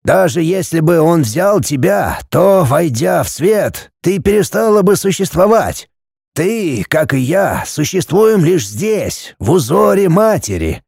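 A man voicing a calm, sorrowful old man with a grey beard who speaks in slow, measured, prophetic phrases. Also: a little high, gravelly, husky, no echo, clean studio sound, pitched above the performer's own voice, exaggerated voice. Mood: sad.

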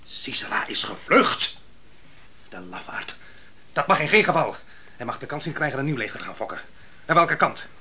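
Imperious, sharp-voiced army commander. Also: male voice, a little high, very animated, slightly rough, exaggerated voice. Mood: agitated. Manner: commanding, curt, quick to bark orders. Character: imperious, impatient ancient army commander, gruff and scornful. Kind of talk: Dutch radio play acting.

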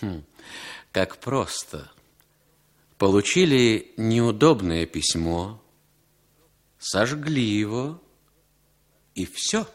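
A man narrating the stage directions of an old radio drama in a measured, expressive reading. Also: fairly low pitch. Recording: old radio play with music behind.

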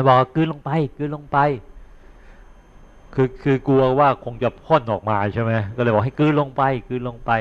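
A man who is a Buddhist monk, retelling an old tale in a loose, chatty dharma talk and pausing to explain words to his listeners. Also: medium pitch, fairly bright tone. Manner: chatty, repeats words while thinking aloud; explains like a teacher, checks in with listeners. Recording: dull lo-fi recording.

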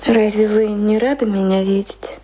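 A woman's voice: mid-range voice, steady tone, normal speed, warm tone, lightly acted, rough recording. An actress in a radio play playing a hesitant, secretive woman seeking a reunion, speaking carefully and tentatively. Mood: anxious.

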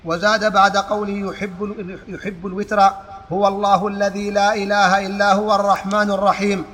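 A man reads a religious text aloud for a lesson at a steady pace, restarting a word now and then. His voice sits high and bright and barely moves in pitch. A long hall reverb and faint background noise surround him. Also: a little fast. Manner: steady recitation with occasional restarts. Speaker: student reading a text aloud.

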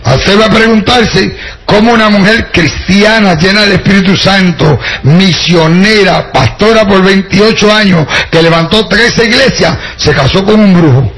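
An older Puerto Rican man with a Puerto Rican Spanish accent preaches his testimony to a congregation, addressing listeners directly and slipping in wry jokes. His voice is high and a bit bright, at normal speed, on a low-quality recording.

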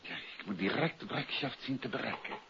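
An actor playing a calm, inquisitive gentleman detective in a 1950s radio drama, with a Netherlands Dutch accent and a measured, questioning manner. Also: mid-range voice, lightly acted. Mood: concerned. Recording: muffled, hissy old radio recording.

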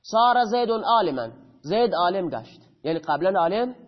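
A man's voice: high voice, lively intonation, lo-fi sound. A man teaching grammar in a lecture, who asks his students questions and then answers them himself.

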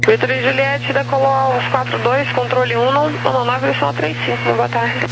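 A man's voice: very high voice, flat delivery, moderate pace, music in the background. A man working as an air traffic controller, speaking in clipped phraseology over a crackly aviation radio. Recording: crackly radio with clear hum and noise.

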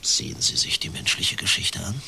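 An actor playing a suave, calculating older Catholic clergyman in a radio crime drama, speaking in a measured, formal, unctuous way. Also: sharp tone, slight background noise. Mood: unctuous, cynical.

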